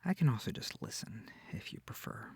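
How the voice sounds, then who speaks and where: Man playing a breathy, gentle incubus, half whispering. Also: on the low side, animated, brisk, no room sound, exaggerated voice. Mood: tender, soothing. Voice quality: breathy, often near whispering. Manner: soft, tender, hesitant, soothing. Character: gentle, comforting, shy-sweet male incubus demon. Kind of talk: intimate ASMR audio roleplay.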